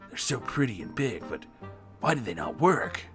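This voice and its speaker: A man's voice: medium pitch, sing-song, moderate pace, a bit bright. A man voicing a brooding, frantic male hedgehog antihero in a melodramatic, stilted way, with music behind. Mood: puzzled.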